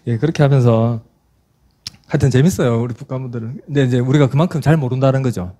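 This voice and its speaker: A middle-aged man, a pastor preaching and telling a story in an animated way, with frequent restarts. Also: medium pitch, fast talker. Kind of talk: sermon with storytelling.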